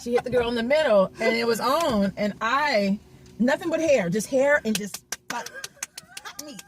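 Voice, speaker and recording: A woman's voice: on the high side, expressive, moderate pace, background noise. A woman hosting a casual chat, amused and often laughing as she reacts and asks questions. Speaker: show host.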